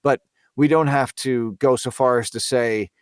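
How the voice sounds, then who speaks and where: A man talking casually and thoughtfully about voice acting, pausing to search for his words. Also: mid-range voice, steady tone, clean tone, no echo, clean studio sound. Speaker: voice actor on a horror audio drama. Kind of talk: casual behind-the-scenes discussion.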